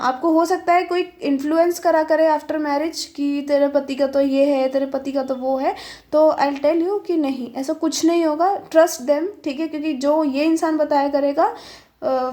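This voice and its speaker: Young woman tarot reader, high voice, chatty, code-switching, keeps checking in with listeners. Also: unhurried, a little mellow. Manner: chatty, mixes Hindi and English, keeps asking "ठीक है?". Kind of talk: pick-a-pile tarot reading.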